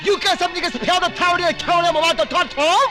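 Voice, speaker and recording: An actor playing a bumbling male thief brother who shouts garbled nonsense English phrases in a film scene. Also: very high voice, fairly even intonation, drawn-out words, full character voice. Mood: blustering. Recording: film soundtrack with music behind.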